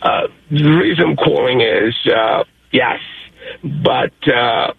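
Hoarse excited caller on a phone line. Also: male voice, mid-range voice, slow pace, no echo. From New York. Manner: excited, rambling with many fillers.

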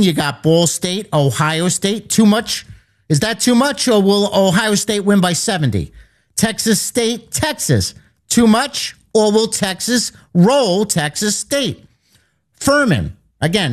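A man hosting a sports betting radio show, rattling off lines and numbers as he pitches his picks. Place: East Coast of the United States.

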